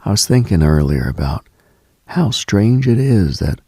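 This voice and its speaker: A man hosting a late-night radio show, speaking in a hushed, intimate, contemplative monologue with long pauses and a husky, breathy edge. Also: fairly low pitch, big pitch swings, no room sound, clean studio sound.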